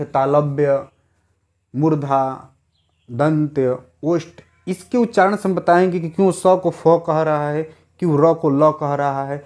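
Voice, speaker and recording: Guy teaching an exam prep class, kinda high voice, keeps repeating stuff and asking questions back at you. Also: a little mellow. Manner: repeats key words, asks the class rhetorical questions.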